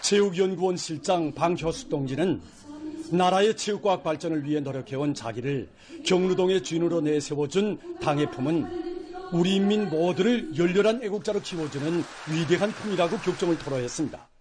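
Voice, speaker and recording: A man with a North Korean accent reading scripted broadcast news in a formal, measured declamatory way. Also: on the high side. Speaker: news announcer.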